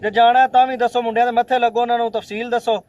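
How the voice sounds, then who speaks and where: A man with a Pakistani Punjabi accent playing a bossy, impatient village man in an amateur drama, loudly talking over the others. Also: very high-pitched, level tone, very fast, no echo, lo-fi sound. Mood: insistent.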